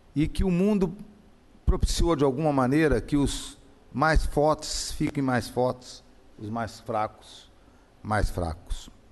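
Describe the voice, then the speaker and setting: Long, frequent pauses mark a man's very slow speech, which has lively intonation. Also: fairly high pitch for a man. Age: 60s. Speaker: physician, academy member. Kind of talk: formal address in academic session. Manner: formal.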